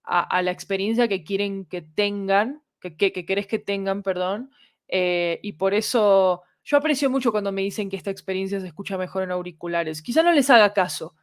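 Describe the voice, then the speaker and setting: A woman's voice: mid-range voice, normal speed. A woman with a Latin American Spanish accent talks casually on a podcast, explaining things and checking in with little tag questions. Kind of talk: casual conversational podcast talk.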